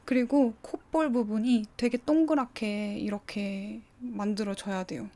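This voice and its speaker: A woman's voice: on the high side, steady tone, a little slow, dark tone. A woman beauty vlogger giving a casual make-up tutorial in a polite, explanatory, step-by-step manner.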